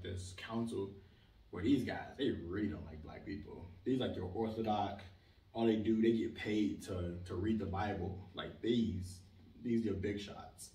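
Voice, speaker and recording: Young male guest, low pitch, animated casual talker, distant mic with room echo. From Israel. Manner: animated, emphatic, leans on filler "like". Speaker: interview guest. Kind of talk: casual conversational interview. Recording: roomy sound, mic at a distance.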